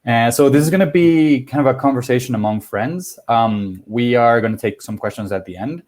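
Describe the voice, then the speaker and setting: A man from Venezuela whose first language is Spanish, moderating a panel conversationally and haltingly, often restarting phrases. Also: medium pitch, expressive, darkish tone.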